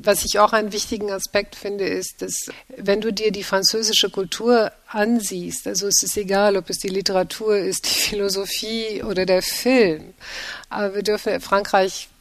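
A woman's voice: mid-range voice, steady tone, normal speed, dry recording. Reflective German-speaking woman translator. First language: French. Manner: reflective, many restarts and repeated words. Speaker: translator and editor, guest. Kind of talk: thoughtful conversational interview.

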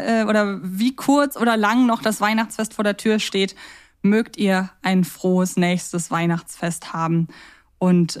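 A woman co-hosting a podcast in casual, unscripted and rambling chat. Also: a little high. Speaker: podcast co-host.

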